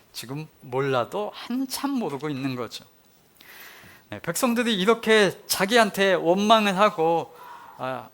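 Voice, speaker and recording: Middle-aged pastor man preaching, high voice, bouncy and animated. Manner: lively storytelling, addressing the congregation directly. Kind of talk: sermon.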